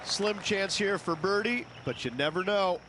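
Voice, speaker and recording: A man's voice: sits high, moderate pace, a crowd in the background, noisy background, natural voice. A man playing an approving golf commentator and analyst in a video game, adding short, clipped asides.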